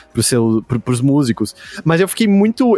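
A man's voice moves through very wide pitch swings. The sound is dry and close, with no echo. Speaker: podcast guest, content creator. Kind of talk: casual chat.

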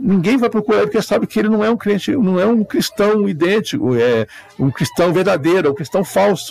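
At a moderate pace, a man talks in a high voice with very wide pitch swings. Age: 50s. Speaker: preacher. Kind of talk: sermon. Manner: halting, repeats words.

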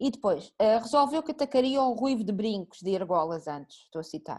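A woman with a European Portuguese accent speaks at a moderate pace in a fairly high voice, her pitch swinging very widely. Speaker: book podcast host. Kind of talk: casual chat.

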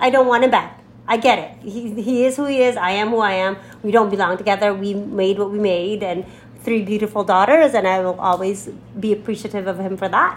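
Speaking at a fairly quick pace, a woman sounds animated in a Filipino accent. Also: medium pitch for a woman. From Philippines. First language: Filipino language. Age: 40s. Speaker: podcast co-host. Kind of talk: casual chat.

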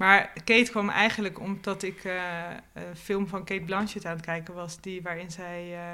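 A woman's bright, sharp, medium-pitched voice at a moderate pace, in monotone, flat intonation. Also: big swings in loudness. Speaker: painter. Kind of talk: casual chat.

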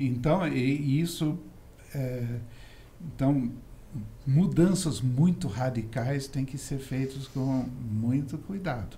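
Audible room echo surrounds a man speaking at a very slow pace with long, frequent pauses. His voice is medium in pitch, dark, mellow and somewhat breathy, with ordinary pitch variation. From Brazil, raised in English-speaking expat community and English boarding school. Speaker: image consultant and art teacher. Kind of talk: interview.

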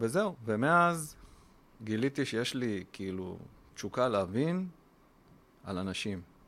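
A man's very slow speech at a medium pitch, with very wide pitch swings and long, frequent pauses, on a very clean recording with a silent background. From Israel, Rishon LeZion. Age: 50s. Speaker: emotions therapist and podcast co-host. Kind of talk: casual conversation. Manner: halting.

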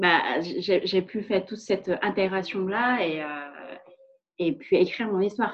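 Speaking at a very slow pace with long, frequent pauses, a woman talks with a Vietnamese accent. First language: Vietnamese (speaking French). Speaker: finance professional. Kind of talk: interview testimony. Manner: halting, many hesitations.

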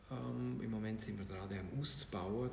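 With a Graubünden accent, a man speaks in a fairly low voice amid noticeable background noise and audible room echo. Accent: Graubünden Swiss German dialect. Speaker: yoga studio owner and teacher. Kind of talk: interview. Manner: halting, many fillers.

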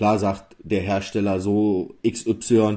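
Its intonation is fairly even. The tone of the voice is dark and mellow. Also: man. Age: 30s. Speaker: angler and head of a fishing tackle team. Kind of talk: casual interview.

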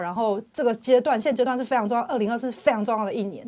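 A woman at a very fast pace. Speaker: legislative candidate. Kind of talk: interview.

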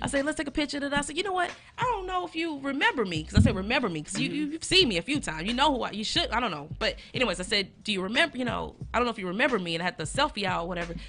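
A woman with an American accent at a high pitch, very wide pitch swings, a very fast pace and hardly any pauses, over noticeable background noise. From Houston, Texas. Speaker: comedian, actor, producer. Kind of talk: casual interview chat.

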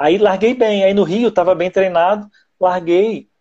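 A man speaks at a fairly slow pace with a high pitch. His tone is dark and mellow, with ordinary pitch variation. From Brazil, Rio de Janeiro. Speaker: amateur marathon runner. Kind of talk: casual interview.

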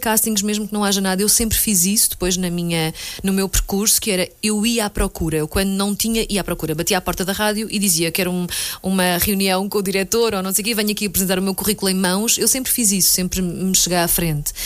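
With music in the background, a woman at medium pitch talks at a very fast pace and very even loudness. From Portugal, Pinhal Novo (Setúbal area). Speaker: radio presenter and DJ. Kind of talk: casual interview. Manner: chatty, relaxed.

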